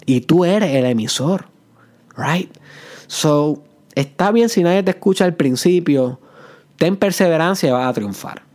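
A man hosting a motivational podcast, sprinkling English phrases into his talk and playing his voice between loud and soft. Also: fairly high pitch, lively intonation, measured pace. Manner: plays with loud and soft delivery for effect. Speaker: podcast host.

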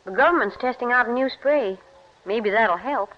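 A woman's voice: on the high side, normal speed, a little hiss or hum, lightly acted. An actress playing a spirited young woman teasing her sweetheart in a 1940s radio play. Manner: teasing and warm. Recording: muffled old radio recording.

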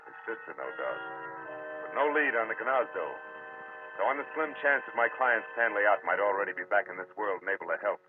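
Actor as a hard-boiled American private eye, vintage radio. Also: male voice, sits low, natural voice. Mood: wry narrating. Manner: tough, sardonic, clipped. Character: hard-boiled, wisecracking male private detective narrating his case. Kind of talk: 1940s radio detective acting and narration. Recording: muffled, noisy vintage radio recording.

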